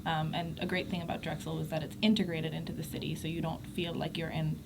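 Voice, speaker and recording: Young woman from pakistan on the radio, lowish voice, chatty and upbeat, clear hiss behind her. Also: little pitch movement, quick pace. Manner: upbeat, fluent, articulate. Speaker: guest. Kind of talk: radio interview.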